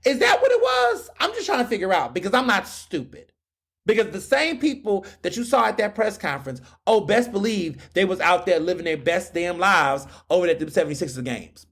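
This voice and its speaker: A man's voice: high-pitched, sing-song, a little fast, vocal fry, fairly bright tone. A young man from Houston hosting his podcast, ranting in a fiery, sarcastic monologue full of rhetorical questions. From Houston, Texas. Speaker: podcast host. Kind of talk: opinion monologue.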